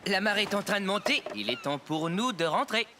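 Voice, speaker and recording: A calm father from a children's cartoon. He speaks as a grown man to small children. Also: high-pitched, a little fast, loud music behind the voice.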